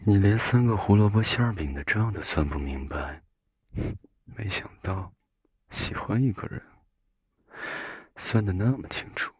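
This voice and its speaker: A man voicing a sweet, teasing white bunny in a breathy half-whisper. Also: lowish voice, expressive, measured pace, long pauses, no room sound, studio quality, exaggerated voice. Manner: gentle, teasing.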